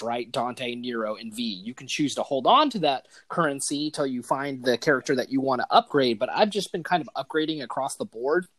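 An excitable man hosts a laid-back gaming podcast, gushing and piling on slang. His voice sits mid-range, and the sound is close and dry, with no room around it. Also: mid-range voice, no room sound. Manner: excitable and enthusiastic, heavy slang. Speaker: podcast host. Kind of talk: casual gaming podcast chat.

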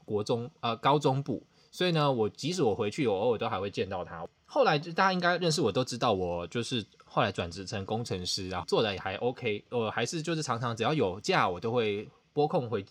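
A man's voice: mid-range voice, slightly rough. A man, hosting a podcast and telling a self-mocking story with dramatic outbursts. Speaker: podcast host. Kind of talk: casual storytelling chat.

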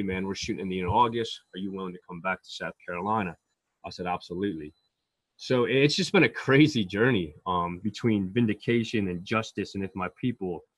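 A man's voice: deep voice, no room sound. A man, an actor being interviewed, talking casually and eagerly about his work, with frequent restarts and repeated words. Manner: enthusiastic, rambling with many restarts. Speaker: actor guest.

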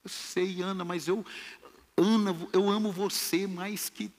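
A preacher playing a devoted husband gently reassuring his wife. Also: high-pitched, little pitch movement, unhurried, long reverb tail, voice pushed up. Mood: coaxing.

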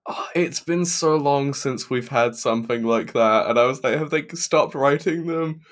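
A man co-hosting a casual podcast chat, blunt and sweary, quick to laugh. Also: medium pitch. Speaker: podcast co-host.

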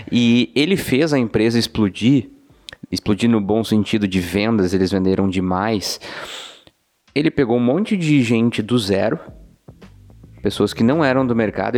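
A man's voice: on the low side, a little mellow. A man hosting a podcast, explaining at length in an emphatic way and showing different tones of voice as he talks.

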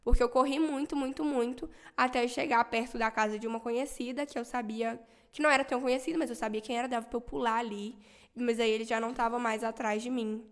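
A young woman from Minas Gerais with a Brazilian Portuguese accent, a podcast guest telling a story in a lively, animated way. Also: on the high side, fast. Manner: animated, laughs while telling a scary story. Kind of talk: casual storytelling.

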